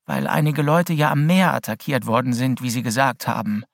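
A man's voice: medium pitch, steady tone, brisk, vocal fry, dry recording, clean studio sound, lightly acted. A man voicing an impulsive, eager teenage boy hero who speaks earnestly.

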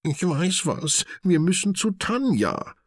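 A man voicing an excitable young female piglet in a storybook, eager and pleading. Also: a little high, moderate pace, no echo, clean studio sound, pitched above the performer's own voice, close to an everyday voice.

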